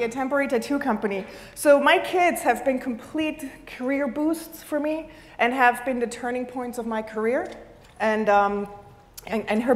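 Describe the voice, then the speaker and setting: A fairly high-voiced woman, speaking from a conference stage. Her talk is lively and self-deprecating, and her voice rings out in a large hall with a long reverb. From Switzerland. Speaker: keynote speaker.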